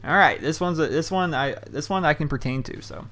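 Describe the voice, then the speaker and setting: A fast-talking young man rambles from his hot bedroom, answering viewer questions as a YouTube host. His voice is fairly high, bright, and forceful, and his loose, chatty commentary leans heavily on fillers like "um" and "you know."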